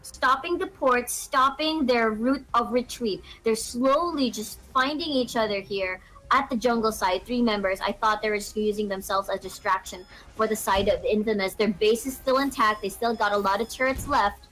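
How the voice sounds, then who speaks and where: A woman's voice: fairly high pitch, moderate pace, fairly bright tone, poor audio. A woman giving analytical color commentary on an esports match, explaining the strategy.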